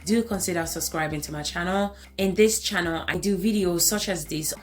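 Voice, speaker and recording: A woman's voice: fairly low pitch, moderate pace, soft background music. A woman in her thirties with an African accent, giving an enthusiastic hair care tutorial voice-over and repeating phrases for emphasis.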